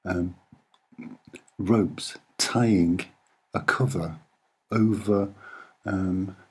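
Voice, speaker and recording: Man, mellow and slightly low voice, soft-spoken, hesitant amateur presenter, explaining pictures step by step. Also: fairly even intonation, breathy edge. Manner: soft-spoken, hesitant and deliberate, with short phrases. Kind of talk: unscripted soft-spoken commentary over images.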